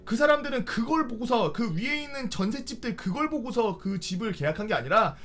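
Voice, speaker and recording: A man's voice: very high-pitched, expressive, fairly quick, fairly bright tone, soft background music. A young man streamer venting a story in casual, heated, profane talk.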